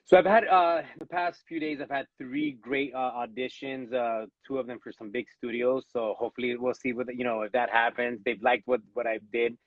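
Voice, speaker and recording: A man's voice: medium pitch, steady tone, normal speed, hardly any pauses, no echo, muffled recording. A man with a Latino accent, raised in Miami by Cuban parents, talks earnestly about his acting career in a casual live interview, restarting his sentences often. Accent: Latino, Cuban-American. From born in Los Angeles, raised in Miami. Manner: earnest, repeats words when starting sentences. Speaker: actor, interview guest. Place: at home.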